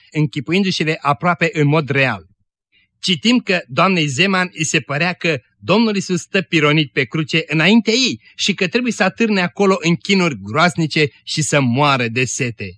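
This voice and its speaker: A man hosting a Christian radio program, reading a story aloud in a solemn, measured way. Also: fairly high pitch, sharp tone. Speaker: radio program host and reader.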